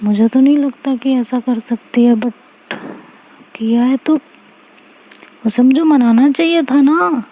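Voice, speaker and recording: A woman's voice: high voice, slow, pauses often, mellow, highs cut off, a little hiss or hum, pitched above the performer's own voice. A woman voicing a young woman who is hurt and sulking over her partner. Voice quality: whiny, hurt.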